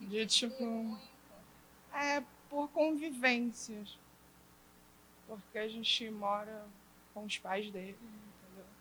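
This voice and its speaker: With long, frequent pauses at a very slow pace, a woman speaks at a fairly high pitch, her loudness swinging a lot while her pitch varies in an ordinary way. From Teresópolis, Rio de Janeiro state, Brazil. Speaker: therapy participant from the audience. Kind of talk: personal testimony in group therapy. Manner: halting.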